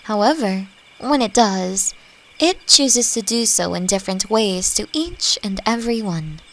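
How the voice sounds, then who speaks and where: A woman playing a friendly, playfully teasing elf who teaches magic, speaking gently and reflectively in a roleplay audio drama. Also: medium pitch, expressive, unhurried, a little hiss or hum, rough recording. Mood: thoughtful, gentle. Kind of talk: scripted roleplay audio drama addressed to the listener.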